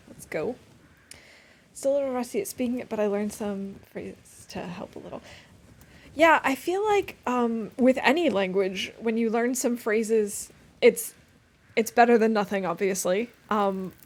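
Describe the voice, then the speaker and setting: A woman streaming a game, chatting casually and thinking aloud with frequent fillers. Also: mid-range voice. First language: English. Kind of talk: casual gaming stream chat.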